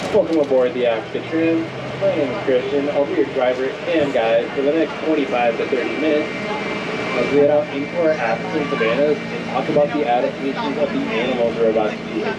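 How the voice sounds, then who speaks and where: Loud background noise sits behind a man talking at a fairly quick pace. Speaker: tour guide. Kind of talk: tour guide safety announcement. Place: bus.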